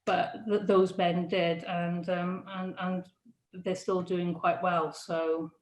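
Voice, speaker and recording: A woman's voice: lowish voice, flat delivery. Woman chatting in an echoey room. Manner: halting, many restarts and laughs. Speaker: prison careers adviser, interviewee. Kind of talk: casual interview chat.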